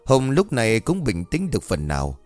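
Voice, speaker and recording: A man's voice: mid-range voice, wildly swooping pitch, moderate pace, a little mellow, soft background music. A man narrating a village horror story, briefly voicing the villagers in the dialogue.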